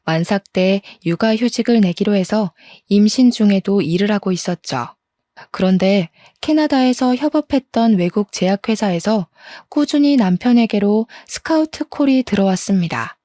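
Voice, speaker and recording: A woman narrating a personal story in the first person, chatty and confiding, with an exasperated edge. Her voice is mellow and warm, recorded close and dry with no room sound. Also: medium pitch, expressive, normal speed, dry recording. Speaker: storyteller reading a listener's story.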